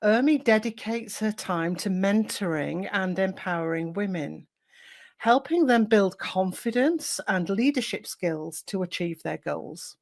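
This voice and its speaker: A woman's voice: mid-range voice, expressive, unhurried. A woman hosting an interview podcast, reading an introduction and asking encouraging questions. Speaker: podcast host.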